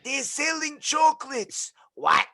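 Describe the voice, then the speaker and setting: A man voicing a very old, cranky cartoon woman who is hard of hearing, in a strained croak. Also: very high voice, takes it slowly, pushed and bright, no echo, studio quality, voice pushed up, exaggerated voice.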